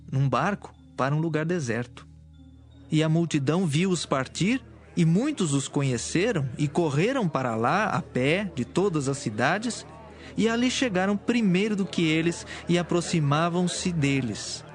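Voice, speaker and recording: Male Bible narrator, slightly high pitch, solemn reading style, soft music bed behind. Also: animated, unhurried.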